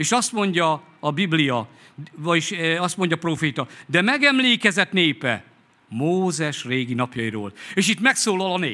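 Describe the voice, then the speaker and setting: The voice swings very widely in pitch and has a bright, sharp tone. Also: man, high pitch for a man, fairly slow pace. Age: 50s. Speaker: guest preacher. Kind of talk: sermon. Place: church. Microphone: podium.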